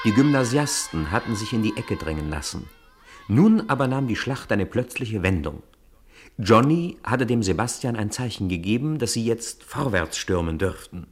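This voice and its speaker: A man's voice: fairly low pitch, animated, normal speed, a little hiss or hum. A man narrating a children's radio play as a scripted storyteller.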